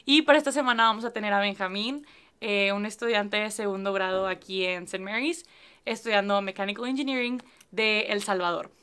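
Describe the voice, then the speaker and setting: A young woman hosting a podcast, chatty and expressive in casual conversation. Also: mid-range voice, smooth. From northern Mexico. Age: young adult. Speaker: podcast host.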